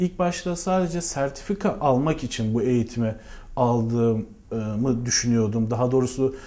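A man talks at a moderate pace in a medium pitch. His tone is dark and mellow, and his intonation is lively. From Istanbul, Turkey. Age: 30s. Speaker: hospital network administrator. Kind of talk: customer testimonial. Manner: many filler hesitations.

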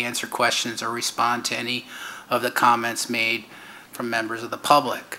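A man at a very fast pace over light background noise. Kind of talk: formal meeting procedure reading. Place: hall.

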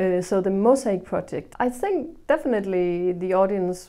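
Spoken at a moderate pace with a Danish accent, the voice has a dark, mellow tone and lively intonation. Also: woman. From Denmark (Aarhus). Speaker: musician. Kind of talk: interview. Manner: hesitant, with fillers. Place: home room.

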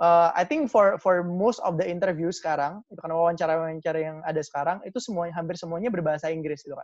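Against a quiet background and with a dry sound and no echo, a man talks at a very fast pace, pitched high with fairly even intonation. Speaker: corporate department head sharing career advice; presenter. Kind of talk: career seminar talk. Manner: hesitant, many fillers. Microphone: video call.

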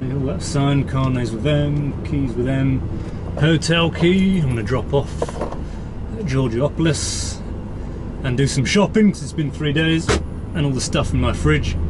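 Noticeable background noise sits behind a man speaking at a fairly slow pace. He takes long, frequent pauses. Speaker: truck driver vlogger. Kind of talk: casual vlog chat. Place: car. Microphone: camera far.

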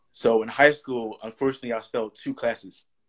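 A man with an American accent, medium pitch and a fairly quick pace, over a quiet background. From Philadelphia. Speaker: graphic designer; interview guest. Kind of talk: casual live-stream interview. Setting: Instagram live video stream. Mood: relaxed, friendly. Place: home room. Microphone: phone near.

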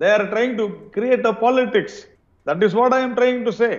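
The background stays quiet. Against it, a man talks at a moderate pace. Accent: Tamil. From India, Tamil Nadu. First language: Tamil. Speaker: political spokesperson. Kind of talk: heated debate. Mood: argumentative, insistent. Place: home room. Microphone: video call.

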